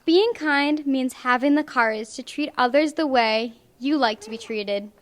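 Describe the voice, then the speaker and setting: High-voiced young woman reading aloud. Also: measured pace. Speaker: volunteer storybook reader. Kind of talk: reading a picture book aloud to children. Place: public library, indoors.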